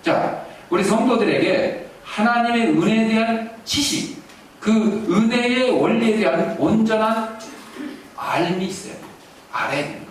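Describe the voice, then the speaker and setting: A pastor preaching a sermon and telling a story with animation, recorded in a church sanctuary. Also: male voice, high voice, expressive, normal speed. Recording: echoey church, distant mic, faint hiss.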